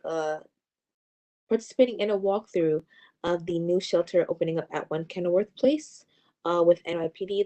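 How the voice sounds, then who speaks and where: A woman who works as a council office liaison, giving updates over a group video call in a halting way with many fillers. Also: lowish voice, dark tone. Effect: heard over a group video call. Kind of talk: giving updates in an online community board meeting.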